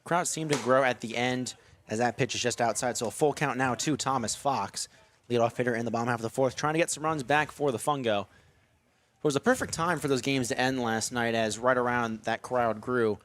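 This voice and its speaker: A young man calling a baseball game on the radio from a ballpark press box, steady in tone and lifting his voice on big plays. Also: mid-range voice, fairly quick. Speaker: play-by-play announcer.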